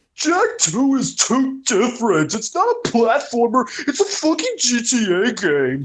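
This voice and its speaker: A put-on character voice, whiny in tone, with fairly high pitch. The pace is moderate, with hardly any pauses, and it sounds whiny throughout. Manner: over the top, whiny, complaining.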